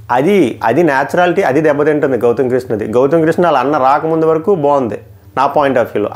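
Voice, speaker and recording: Male show reviewer, slightly high voice, argumentative and sarcastic. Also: a little mellow. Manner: opinionated, rhetorical questions, mocking quotes. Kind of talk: live opinion commentary.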